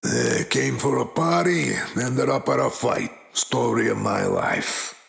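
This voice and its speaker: Laid back tired tough guy, super gravelly, wry, game character. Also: mid-range voice, huge pitch swings, slow pace, fairly bright tone, exaggerated voice. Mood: wry, relaxed.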